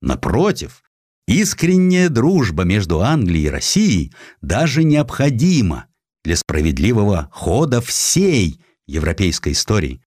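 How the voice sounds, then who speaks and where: Deep-voiced, expressive male narrator. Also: measured pace, breathy edge, no room sound. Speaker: audiobook narrator. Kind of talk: dramatized narration of a historical essay.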